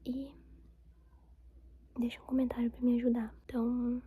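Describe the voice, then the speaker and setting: A woman's voice: a little high, monotone, moderate pace, dark tone, slightly rough. A young woman with a Brazilian accent, whispering a rambling ASMR chat to her viewers with many fillers. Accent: Brazilian Portuguese. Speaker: ASMR creator.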